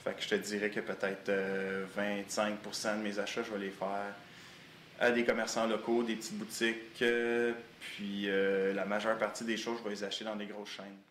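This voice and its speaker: A man's voice: on the low side, level tone, moderate pace, a bit bright. A man in his thirties with a Quebec French accent, chatting casually with lots of fillers, recorded close in a tattoo shop. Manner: casual and talkative, with many fillers. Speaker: interviewee. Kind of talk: casual chat. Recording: echoey room with light noise.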